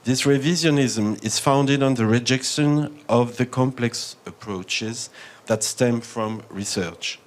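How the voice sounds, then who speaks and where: A man with a strong French accent giving a measured, formal conference talk with frequent hesitations. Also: medium pitch. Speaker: panel speaker.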